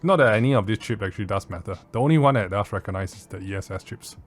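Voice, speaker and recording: A man's voice: on the low side, lively intonation, quick pace, soft background music. A man with a Southeast Asian accent giving a casual product review in a blunt, informal, mildly sweary way. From Southeast Asia. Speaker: audio gear reviewer.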